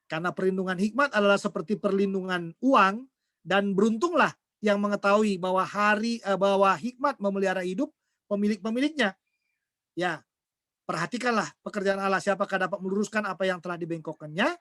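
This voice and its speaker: A man with a high-pitched voice preaches a sermon and keeps quizzing his listeners before answering each question himself. The recording is dry and close, with no room sound. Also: fairly quick, fairly bright tone, no echo. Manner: asks the congregation questions and answers them himself; acts out everyday quarrels in quoted voices.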